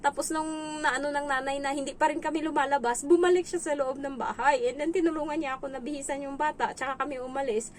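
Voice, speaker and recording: Woman, domestic helper vlogger, chatty storyteller, mimics voices, a bit high-pitched. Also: steady tone, fast. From Philippines. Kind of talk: casual storytelling vlog. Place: indoors in her employer's home.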